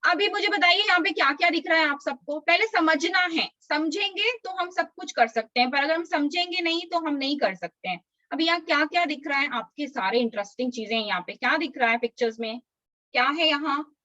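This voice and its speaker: Woman, Sunday school teacher, high bright voice, coaxing kids on a dull video call. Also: animated, dry recording. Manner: coaxing, slow drilled recitation for small kids. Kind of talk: online children's class.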